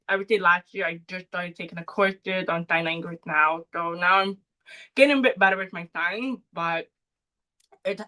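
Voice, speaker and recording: A young woman with a soft voice, a podcast guest explaining her experiences earnestly in casual interview talk. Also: fairly low pitch, poor audio. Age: young adult. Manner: earnest, explanatory, numbered points.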